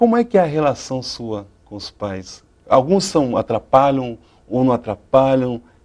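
Against a quiet background, a man with a medium pitch speaks at a fairly slow pace, with lively intonation and big swings in loudness. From Congo. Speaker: TV host, actor. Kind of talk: TV interview. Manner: halting, repeats words. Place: studio. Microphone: lapel.

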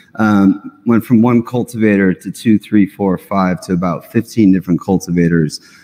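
A man with an American accent speaks at a moderate pace with ordinary pitch variation. His tone is dark and mellow, and the background is quiet. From New Haven, Connecticut. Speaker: sales executive. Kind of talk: onstage conference interview. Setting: stage with audience. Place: stage.

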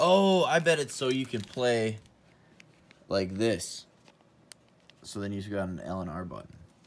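A man talks at a moderate pace. Noticeable background noise is heard. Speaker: gaming streamer. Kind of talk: unboxing video. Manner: casual, rambling with fillers.

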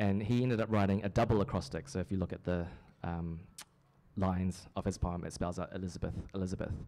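A man with a New Zealand accent talks at a very fast pace. His voice is very deep and low, with a dark, mellow tone and ordinary pitch variation. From New Zealand, Lower Hutt. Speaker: poet. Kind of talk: interview. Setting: stage with audience. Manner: halting. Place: stage. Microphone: handheld.

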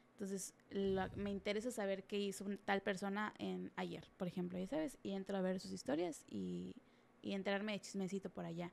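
A woman talks at a moderate pace. Light noise sits in the background. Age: 20s. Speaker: singer and video editor; podcast guest. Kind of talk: casual chat. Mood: cheerful, relaxed. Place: studio. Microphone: studio mic.

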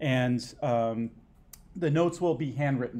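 Dark and mellow in tone, the man's voice shows ordinary pitch variation. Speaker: university lecturer. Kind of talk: lecture. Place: classroom.

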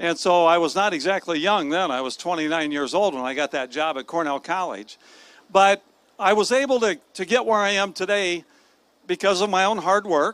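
A man with a Midwestern American accent speaks at a high pitch. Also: lively intonation, moderate pace, dry sound with no echo. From Iowa, Sioux City. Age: 60s. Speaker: congressman. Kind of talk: political stump speech. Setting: outdoor stage at state fair with audience. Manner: folksy, halting with fillers. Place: stage. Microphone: handheld.

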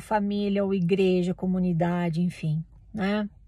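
A somewhat breathy woman's voice in a dry sound with no echo. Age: 50s. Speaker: vlogger sharing personal reflections. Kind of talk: casual vlog monologue. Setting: in a car. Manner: halting. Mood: reflective, somewhat troubled. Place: car. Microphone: phone near.

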